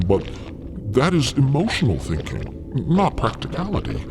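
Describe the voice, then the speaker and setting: A man's voice: on the low side, rough recording. A man playing a courteous, cautious alien in an audio drama, with formal wording and hesitant stammers. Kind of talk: scripted audio drama acting. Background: music.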